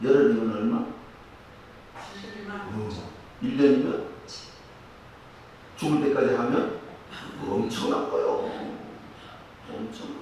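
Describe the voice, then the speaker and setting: Over noticeable background noise, a man talks at a very slow pace with long, frequent pauses and big swings in loudness. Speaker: pastor. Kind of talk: sermon.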